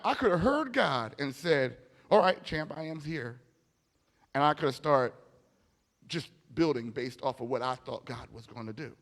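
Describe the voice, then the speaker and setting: A man preaching a motivational sermon, emphatic and informal, telling stories and repeating key phrases with dramatic pauses. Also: a little high, gravelly, fairly bright tone, slightly rough. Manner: informal, anecdotal storytelling. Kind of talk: motivational sermon to a live audience. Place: large indoor hall, speaking from a stage. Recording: echoey hall with long reverb.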